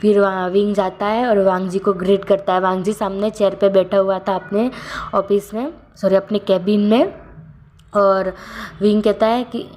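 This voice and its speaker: A woman narrating a romance fan story in a casual way, halting with fillers and self-corrections, stammering when voicing the nervous secretary. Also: medium pitch, flat delivery, darkish tone, a little hiss or hum.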